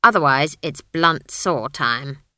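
A woman voicing a stern, sharp-tongued old witch who scolds and commands in clipped phrases. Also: sits low, animated, slow pace, dry recording, clean studio sound, exaggerated voice. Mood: threatening. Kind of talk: audiobook character voice.

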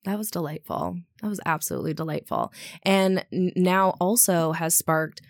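Husky, congested woman co-hosting a casual podcast. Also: lowish voice, normal speed, no room sound, clean studio sound. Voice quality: husky, stuffy voice. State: congested from allergies. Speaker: podcast co-host. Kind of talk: casual chat between friends.

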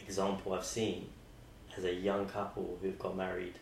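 Deep-voiced young man hosting. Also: monotone, normal speed, vocal fry. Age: 20s. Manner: rambling, friendly, many restarts. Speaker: podcast host. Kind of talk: casual interview chat. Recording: roomy sound with faint noise.

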